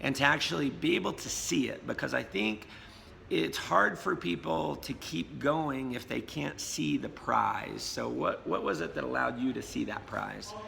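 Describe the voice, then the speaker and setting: An American man who has lost his voice, hosting an upbeat casual interview with a hoarse voice and many fillers. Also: mid-range voice, lively intonation, unhurried, bright, forceful tone. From United States. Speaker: host and network marketing coach. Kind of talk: casual video blog interview. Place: hotel lobby. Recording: reverberant space with faint noise.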